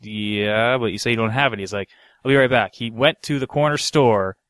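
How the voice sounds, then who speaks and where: A man's voice: mid-range voice, moderate pace, a bit bright, no echo. A man co-hosting a podcast, telling anecdotes in a casual, slangy, rambling way with some swearing. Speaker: podcast co-host.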